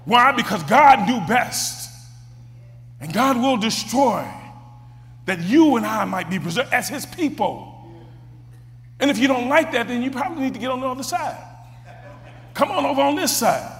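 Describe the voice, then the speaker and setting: A preacher with a strikingly high voice delivers a sermon, stumbling over and repeating words as he builds toward shouts. His voice rings out with a long echo, as in a large hall. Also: expressive, normal speed, long pauses.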